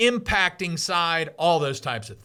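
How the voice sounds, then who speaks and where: Raised and projected, the voice is animated, bright and sharp, with very wide pitch swings, a fairly slow pace and an American accent, on a very clean recording with a silent background. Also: man. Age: 60s. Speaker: podcast host, business owner. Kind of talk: motivational podcast monologue.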